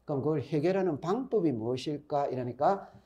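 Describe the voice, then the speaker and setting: A middle-aged man with a Gyeongsang Korean accent delivers a recorded exam-prep classroom lecture, chatty as he repeats key points and quizzes his students. His fairly high, animated voice is a little fast and mellow, with the highs cut off.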